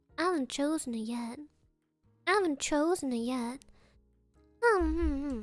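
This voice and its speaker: Background music plays. Over it, a woman talks. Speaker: live streamer reading chat. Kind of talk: casual, chatty.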